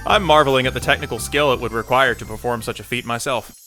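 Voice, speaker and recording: A man's voice: medium pitch, fast, bright, forceful tone, soft background music, lightly acted. A man playing the observant storyteller of an audio drama, giving intrigued, descriptive scripted narration. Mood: storytelling.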